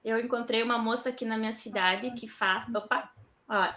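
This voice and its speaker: Animated mother on a dull echoey call. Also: a little high, normal speed. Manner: animated, acts out her children's words. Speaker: mother of autistic twins, guest. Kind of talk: casual video call chat. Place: toy room at home. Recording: dull echoey home room.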